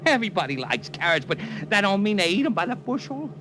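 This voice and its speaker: An actor playing a slangy, excitable Hollywood talent agent in a 1940s radio drama, narrating and chasing. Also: male voice, high-pitched, quick pace, background noise. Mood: frantic. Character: brash fast-talking Hollywood agent. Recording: old radio drama with music.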